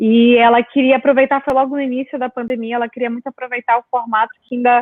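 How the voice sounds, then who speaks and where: A woman speaks with a strong Manaus accent. Her pitch is high. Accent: Manaus accent, marked. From Manaus, northern Brazil. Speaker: screenwriter. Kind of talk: online live interview.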